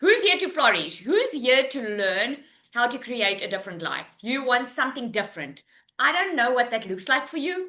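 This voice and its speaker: A woman speaks in a raised, projected voice with a high pitch. Her tone is bright and sharp, and her pitch swings very widely. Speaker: online business coach. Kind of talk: live webinar presentation. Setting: Zoom video call. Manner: fast; animated.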